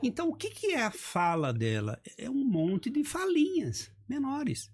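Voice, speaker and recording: Middle-aged male speaking coach, emphatic and animated, lively pitch, slightly husky tone. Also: unhurried. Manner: animated, emphatic, acts out examples. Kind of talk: casual podcast chat.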